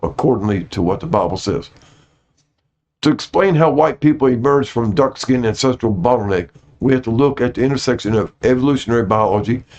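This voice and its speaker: Dull lo-fi recording, man reading aloud haltingly. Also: medium pitch, darkish tone. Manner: stumbles over words and corrects himself; apologetic about his pronunciation. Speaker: host reading out notes to viewers. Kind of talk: reading aloud with informal asides. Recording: dull lo-fi audio.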